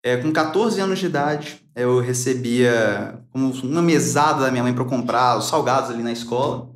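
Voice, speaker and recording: Medium-pitched man from Venezuela, echoey room. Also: moderate pace. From born in Venezuela, grew up in Brazil and Chile. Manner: earnest, informal, conversational. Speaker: podcast guest, investor and consultant. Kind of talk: casual explanatory chat.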